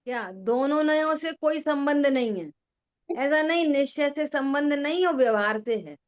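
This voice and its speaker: A woman's voice: high-pitched, expressive, normal speed. A woman giving a religious discourse to listeners, often asking whether they follow and repeating key words. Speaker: spiritual teacher. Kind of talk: slow religious discourse with listener check-ins.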